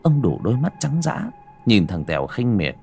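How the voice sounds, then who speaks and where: A man narrating a horror story dramatically, dropping to a hushed, slow delivery for suspense. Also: mid-range voice, wildly swooping pitch, vocal fry, faint music behind.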